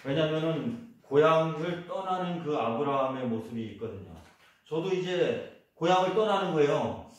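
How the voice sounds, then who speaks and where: Korean pastor preaching in an echoey church. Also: male voice, fairly high pitch, animated, normal speed. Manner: storytelling, leading the congregation in repetition. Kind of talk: sermon. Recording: echoey church hall, voice from a distance.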